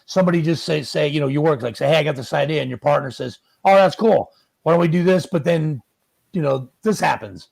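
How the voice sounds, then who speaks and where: An older man talks casually, like a musician swapping stories. His voice is gravelly and a touch high, recorded very dry, and he acts out quoted lines as he goes. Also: brisk, a little mellow, no echo. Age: 50s or older. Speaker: musician guest. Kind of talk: casual chat.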